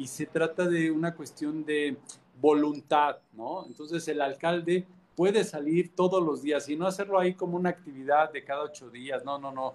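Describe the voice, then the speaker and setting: An unremarkable speaking voice carries fairly even intonation at a moderate pace. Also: man, fairly high pitch for a man. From Mexico City. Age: 40s. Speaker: political candidate, lawyer. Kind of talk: interview.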